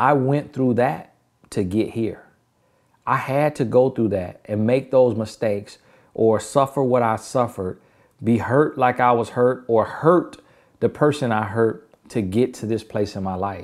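On a very clean recording with a silent background, a man speaks fairly slowly at medium pitch with ordinary pitch variation. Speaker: relationship coach and video host. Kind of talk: advice monologue answering listener email.

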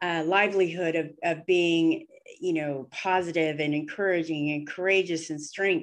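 In a plain, everyday voice, a woman speaks at a moderate pace with a fairly low pitch and fairly even intonation. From Ohio, US Midwest. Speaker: grief support group leader. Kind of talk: casual interview.

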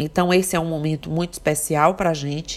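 A woman's unremarkable speaking voice, fairly low in pitch. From Bahia, Brazil (Mucugê). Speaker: Umbanda priest. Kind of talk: religious teaching talk. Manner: conversational, many filler tags.

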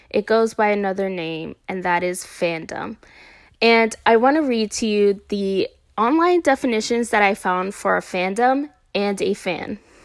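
On a very clean recording with a silent background, a woman with an ordinary speaking voice talks at a fairly slow pace, her medium pitch carrying lively intonation. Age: 20s. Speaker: podcast host. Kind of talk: casual podcast monologue.

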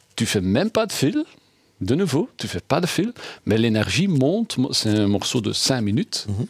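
A man of medium pitch with a Dutch accent, very wide pitch swings and a moderate pace, in a dry, close sound with no echo. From Flanders, Belgium. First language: Dutch (speaking French). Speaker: podcast host. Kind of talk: interview. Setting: streaming studio.

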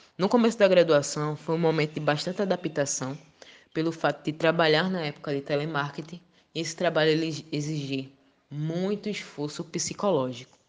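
Her pitch is very deep and low for a woman, with ordinary pitch variation. She speaks at a moderate pace. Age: 20s. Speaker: pedagogy student and candomblé initiate. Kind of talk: personal testimony.

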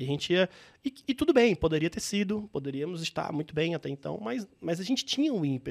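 A man with a high pitch speaks at a fairly quick pace. The sound is dry and close with no echo, on a very clean recording with a silent background. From interior of Bahia, Brazil. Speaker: entrepreneur, fintech founder. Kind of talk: interview.

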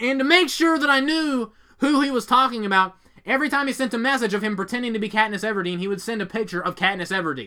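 A man speaks very fast in a raised, projected voice of extremely high pitch, bright and sharp in tone, with lively intonation. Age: 20s. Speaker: podcast host and YouTube creator. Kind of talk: solo casual podcast monologue.

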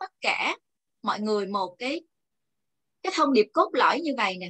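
A woman projects a raised voice with a bright, sharp tone at a fairly slow pace, in a dry, close sound with no echo. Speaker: event moderator. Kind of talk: event hosting. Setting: video call.

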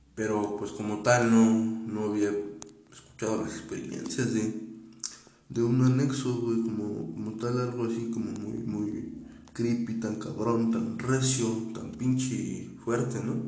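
Amid noticeable background noise and audible room echo, a man speaks at a medium pitch. His delivery is very slow and monotone, with flat intonation. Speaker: podcaster. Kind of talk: casual monologue.

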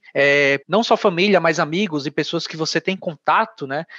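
The voice carries a northeastern Brazilian accent and a bright, sharp tone with ordinary pitch variation. The sound is dry and close, with no echo. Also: man. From Brazil, Northeast (Natal, Rio Grande do Norte). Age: 20s. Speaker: SEO team lead, former student. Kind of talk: podcast interview.

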